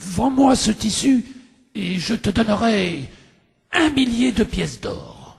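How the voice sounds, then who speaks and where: A man puts on a high-pitched character voice. He goes at a very slow pace with long, frequent pauses. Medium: read story. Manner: exclamatory.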